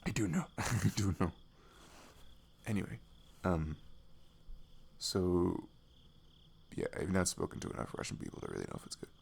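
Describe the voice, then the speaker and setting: A man acts out a young American guy as an affectionate best friend in a cozy ASMR roleplay. His voice sits fairly low with plenty of fry and moves in a lively way. He rambles casually, goofy and self-deprecating. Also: moderate pace, long pauses, full character voice. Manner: rambling, giggly, self-deprecating, drops into murmurs.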